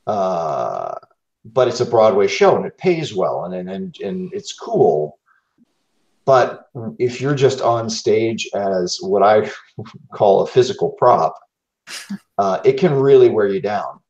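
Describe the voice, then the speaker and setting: A man speaking as a guest voice actor in a reflective interview, halting and thoughtful, repeating words as he searches for the next phrase. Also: lowish voice, big pitch swings, a little mellow, roomy sound, muffled recording.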